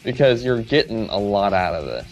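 A man with a low voice breaks down game cards on a casual podcast. His takes are confident and enthusiastic, and faint music plays under the conversation. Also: sing-song, moderate pace. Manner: enthusiastic, opinionated card analysis. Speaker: podcast co-host. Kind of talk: casual chat.

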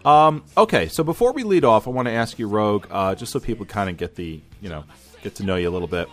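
Lively, animated low-voiced man host. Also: fast talker, faint music behind. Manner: energetic, repeats himself, many fillers. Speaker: podcast host. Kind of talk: casual chat.

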